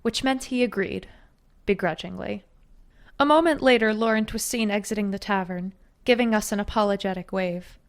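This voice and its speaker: A woman narrating a first-person fantasy story in a steady, even storytelling manner. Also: mid-range voice, normal speed.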